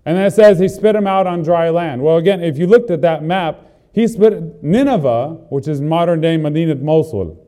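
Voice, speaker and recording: A man's voice: a little high, normal speed, dark tone. A man preaching a sermon, earnest and building emphasis through repeated phrases. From not from the country he is preaching in.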